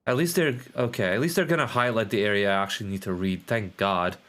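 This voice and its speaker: A man's voice: lowish voice, fast, fairly bright tone. A man doing casual live game commentary, rambling and sweary, sometimes reading on-screen text aloud. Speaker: game streamer.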